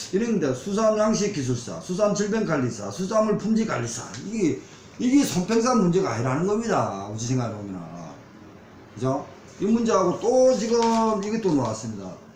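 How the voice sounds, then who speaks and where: A man with a high pitch speaks in very wide pitch swings, with audible room echo and noticeable background noise. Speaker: fisheries exam lecturer. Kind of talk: lecture. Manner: fast.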